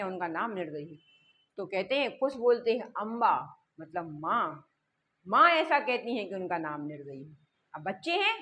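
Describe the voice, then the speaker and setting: A woman teaching a lesson, reading lines slowly, then explaining them quickly and asking her students questions. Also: fairly high pitch, a bit bright. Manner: explains step by step, asks the class questions and answers them.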